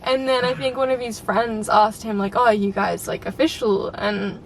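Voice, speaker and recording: A woman's voice: a little high, steady tone, normal speed, a loud crowd, poor audio. Chatty young woman. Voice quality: slightly raspy at times. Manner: chatty, laughs often, lots of "like". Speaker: channel host. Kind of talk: casual chat.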